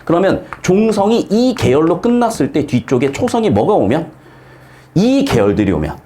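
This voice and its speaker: Animated man teaching grammar. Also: moderate pace, a little hiss or hum. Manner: lively, swings pitch widely, asks rhetorical questions, blunt slangy asides. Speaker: Korean grammar tutor. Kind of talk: casual classroom lecture.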